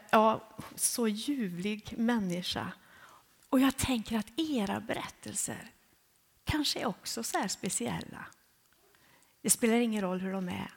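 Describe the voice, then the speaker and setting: A woman preaches in a church, her voice slightly husky and airy, at a middling pitch. She weaves personal stories into the sermon and often sinks to an intimate near-whisper. A long reverb from the church hall trails behind each phrase. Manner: intimate, drops to hushed near-whispers for emphasis. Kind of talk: sermon with storytelling.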